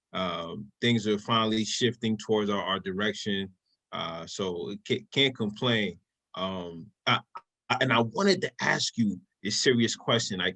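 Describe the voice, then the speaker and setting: A man's voice: lowish voice, fairly bright tone. A man co-hosting a podcast, chatting in a laid-back, friendly way and calling his guest "bro". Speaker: podcast co-host. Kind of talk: casual podcast conversation.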